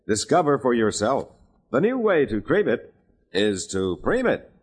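A man's voice: medium pitch, huge pitch swings, measured pace, slightly rough. A man with an American accent reading ads and credits as an old-time radio announcer, polished and emphatic. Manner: polished, emphatic sales delivery, spelling out words. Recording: vintage radio broadcast with music behind. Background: music.

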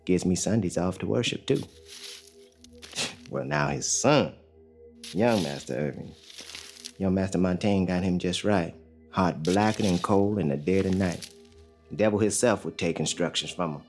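An actor in an audio drama playing a young enslaved father who talks in a calm, plainspoken drawl. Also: deep voice, measured pace, gravelly, long pauses, faint music behind. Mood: steady. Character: young enslaved male father, steady and hopeful.

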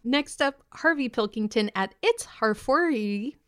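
A woman's voice: fairly high pitch, expressive, a little slow, dry recording, clean studio sound. A woman co-hosting a casual fan podcast, bantering playfully and reading out listener messages in a breezy way. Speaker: podcast co-host.

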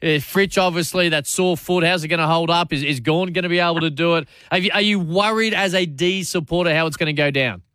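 Bright-voiced Australian sports radio host. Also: male voice, a little high, fairly quick, few pauses, clean tone, no echo. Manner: matey, chatty, repeats phrase starts. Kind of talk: casual talkback commentary. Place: radio studio.

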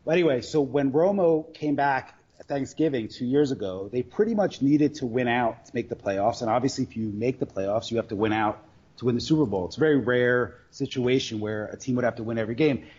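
A man speaks in an average-pitched voice on dull, lo-fi audio. He tells stories casually, often stopping and restarting as he rambles along. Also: brisk, darkish tone, husky. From Queens, New York. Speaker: sports bettor guest. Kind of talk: casual storytelling interview.

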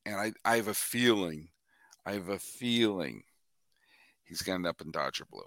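A man hosting a baseball podcast in casual chat, animated and repeating himself as he thinks. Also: sits low, normal speed, creaky, no echo, clean studio sound. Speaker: podcast host.

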